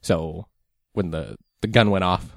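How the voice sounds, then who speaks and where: A man's voice: deep voice, measured pace, gravelly, dry recording, clean studio sound. A man losing his voice a little, chatting casually and rambling a bit as a podcast co-host. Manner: rambling, laid-back, lots of ums. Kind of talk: casual chat recapping a race.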